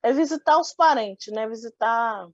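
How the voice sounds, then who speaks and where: A woman's voice: fairly high pitch, moderate pace, no echo. Reflective woman, dull dry sound. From Salvador, Bahia, Brazil. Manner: thoughtful, many restarts and filler "né". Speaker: interviewee. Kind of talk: oral history interview.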